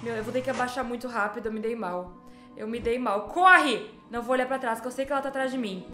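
A woman's voice: a little high, steady tone, quick pace, reverberant, soft background music. A young Brazilian woman commentating on a horror game as a scared streamer, exclaiming and repeating herself in panic. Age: young adult. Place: small home room, indoors.

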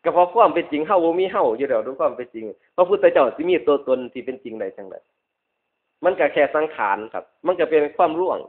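A man's voice: a little high, animated, fast talker. A man with a northeastern Thai Isan accent giving a Buddhist sermon as a monk, repeating points emphatically with polite phrase endings. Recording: dull lo-fi radio-like recording.

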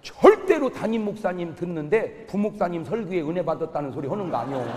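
A man preaching a humorous revival sermon, telling stories with animated delivery and acting out the voices of the people in them. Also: sits high, fast, heavy background noise. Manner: shouting punchlines to the congregation. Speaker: pastor. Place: church hall with congregation. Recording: long hall reverb.

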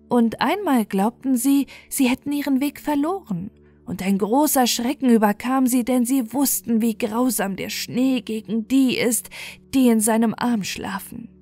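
A woman's voice: fairly high pitch, a little mellow, no echo. A woman storyteller narrating a scripted bedtime fairy tale, with music playing behind her.

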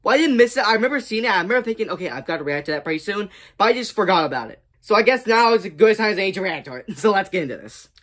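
A man's voice: high voice, lively intonation, rapid-fire, hardly any pauses, fairly bright tone. A young man casually commenting as host of a reaction video, recorded in a small room at home. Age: young adult. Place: small bedroom full of shelves, indoors.

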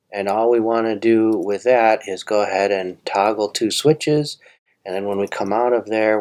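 A man's voice: fairly low pitch, a little mellow. A man walking through a coding puzzle on screen, thinking aloud with fillers and restarts. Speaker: coding tutor. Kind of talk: screen-recorded coding walkthrough.

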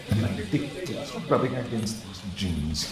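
A man's voice: lowish voice, echoey room. An actor playing a bored, flirtatious gay office worker man in a radio drama, hesitant and muttering asides.

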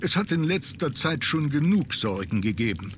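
Elderly game butler, high-pitched and animated in pitch, halting, sorrowful, servile. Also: male voice, a little hiss or hum. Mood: subdued, sorrowful. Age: older. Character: grieving, deferential old male butler. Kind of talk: scripted adventure game dialogue.

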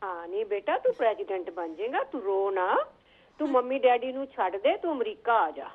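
A woman's voice: mid-range voice, sing-song, a little fast. A woman calling in by phone, teasing and playfully bargaining in casual chat. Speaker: phone-in caller. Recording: tinny phone line.

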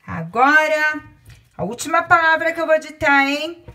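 A woman teacher, from Brazil with a Brazilian Portuguese accent, dictating words to young children, counting aloud and stretching each word out slowly. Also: high voice, expressive, bright, forceful tone.

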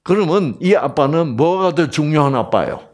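A middle-aged man giving a Bible lecture, asking his audience rhetorical questions and dropping into soft whispers. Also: fairly high pitch, animated, moderate pace.

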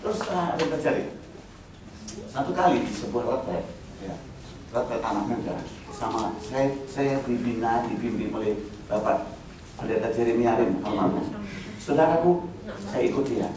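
A man's voice: mid-range voice, expressive, moderate pace, pauses often, a crowd in the background. A middle-aged man preaching a humorous sermon, telling stories, laughing often and talking straight to the congregation. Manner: jokey, laughing often, addresses the congregation directly. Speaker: pastor. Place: church hall at a revival meeting. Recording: very echoey hall, voice from far off, congregation audible. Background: congregation noise and laughter.

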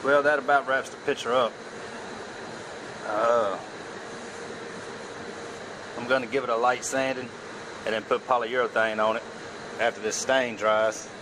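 Man, hobby woodworker, rambling and self-deprecating, phone-recorded outdoors over loud air-conditioner hum. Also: mid-range voice, fairly even intonation, a little slow, long pauses. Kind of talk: casual workshop narration.

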